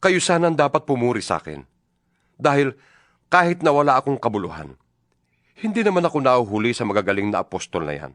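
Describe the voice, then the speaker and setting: A man playing an earnest, defiant yet humble apostle in a dramatized audio Bible, speaking emphatically with dramatic pauses. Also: medium pitch, big pitch swings, a bit bright, dry recording, studio quality. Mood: fervent, resolute. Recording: music under the voice. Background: New-age style music.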